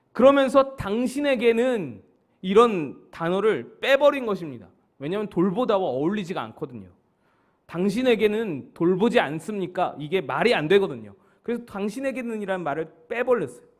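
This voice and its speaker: A male pastor teaching a Bible study sermon in a church, explaining words and stressing key points emphatically. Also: sits high.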